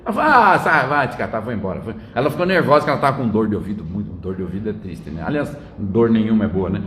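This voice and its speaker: A man's voice: fairly low pitch, fast talker, slight background noise. An older man giving a casual spiritual talk, telling anecdotes and tagging his lines with "né?". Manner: chatty storyteller, tags lines with "né?". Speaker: spiritist lecturer. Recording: roomy echo.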